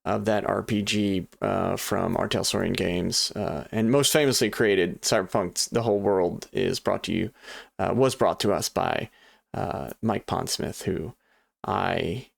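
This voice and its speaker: A man unboxing a game at his desk, rambling along with lots of restarts and little asides. His low voice has a gravelly fry, recorded dry and close. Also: a little slow, no room sound. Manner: rambling, many fillers and restarts, chatty and apologetic. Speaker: board game channel host. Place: home desk.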